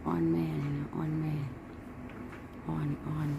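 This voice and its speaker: A woman's voice: low voice, monotone, a little slow, vocal fry, noisy background. A middle-aged woman chatting casually at home about her pets, cooing to her cats in baby talk. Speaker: pet owner filming her cats and rabbits. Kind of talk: casual chat to pets and viewers.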